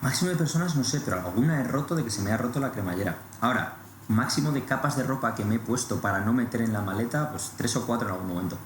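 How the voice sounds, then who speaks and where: Fast-talking man in an echoey room. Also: medium pitch, expressive. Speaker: podcast co-host. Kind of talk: casual explanatory conversation. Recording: roomy echo, clearly audible background noise.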